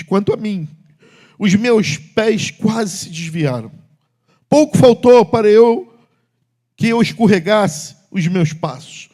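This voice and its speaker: A middle-aged male pastor preaching in a church sanctuary. His delivery swings widely, rising into loud, emphatic calls and then dropping into low, confiding tones. He speaks directly to the congregation. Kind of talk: sermon.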